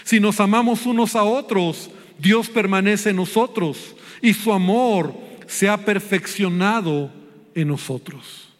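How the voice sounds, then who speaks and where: High-voiced male pastor preaching in a hall. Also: a little slow. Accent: Mexican Spanish. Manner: earnest, repeats phrases for emphasis. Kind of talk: sermon. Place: church sanctuary.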